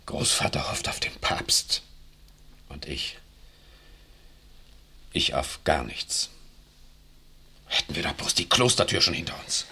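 A man's voice: very deep voice, big pitch swings, slow pace, pauses often, bright, forceful tone, heavily acted. An actor playing an irritable, gloomy and weary father in 1960s radio drama, bitter, commanding and resigned. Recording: 1963 archive radio recording.

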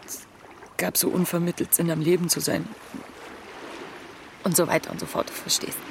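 A woman playing a grieving, wry woman in her thirties in a radio play, speaking plainly and haltingly. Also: on the low side, little pitch movement. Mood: grieving, subdued. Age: 30s. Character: grieving, wry 32-year-old woman adrift at sea. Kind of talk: naturalistic radio play dialogue. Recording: clear watery background noise, boat-like ambience. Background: lapping water and sea ambience.

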